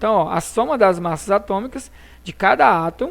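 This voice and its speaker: The recording is very clean, with a silent background. A woman talks at a moderate pace with ordinary pitch variation. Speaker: chemistry teacher. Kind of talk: recorded lesson review.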